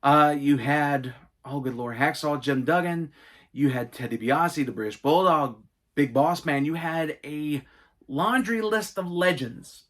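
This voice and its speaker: A middle-aged man hosting a casual Q&A video, telling stories with enthusiastic, animated asides. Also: medium pitch. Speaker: gaming and wrestling channel host. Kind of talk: casual Q&A monologue.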